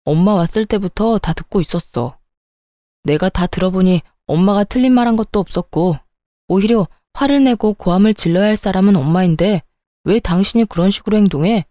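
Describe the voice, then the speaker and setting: A woman's voice: mid-range voice, dry recording, studio quality, natural voice. A woman voicing an angry, stubborn husband who demands an apology. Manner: demanding, shouting orders. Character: stubborn angry adult husband, mama's boy.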